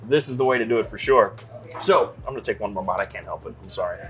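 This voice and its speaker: A man's voice: on the low side, fast talker, a bit bright, soft background music. A man hosting a food show in a diner, chatting enthusiastically and joking while he eats. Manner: enthusiastic, jokey, talks while eating. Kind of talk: casual food tasting chat.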